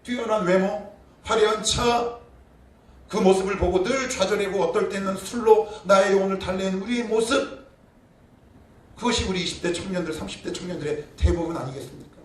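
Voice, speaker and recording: Animated pastor preaching in an echoey church. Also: male voice, high-pitched. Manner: animated, asks the congregation questions, shouts acted prayers. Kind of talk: sermon. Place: church sanctuary. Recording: echoey church room, from far off, faint noise.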